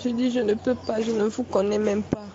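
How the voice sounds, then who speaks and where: A young adult woman giving a personal testimony, recounting events in a halting, repetitive, shaken way. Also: fairly high pitch, level tone. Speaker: witness recounting an assault. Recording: dull lo-fi recording with faint background noise.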